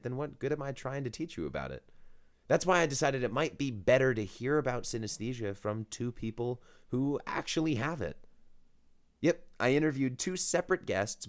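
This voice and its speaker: A man hosting a podcast, moving between upbeat scripted narration and casual interview questions. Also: mid-range voice. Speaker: podcast host.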